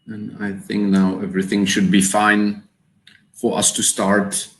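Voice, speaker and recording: A man's voice: lowish voice, monotone, measured pace, a little hiss or hum. A man from the Czech Republic with a Czech accent, hosting a live webinar and speaking hesitantly with many fillers and repeated words. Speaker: webinar host. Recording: roomy echo.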